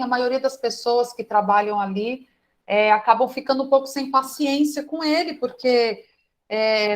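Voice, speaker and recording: A middle-aged woman teaching an online class, telling a counseling case and acting out both sides of the conversation. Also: mid-range voice.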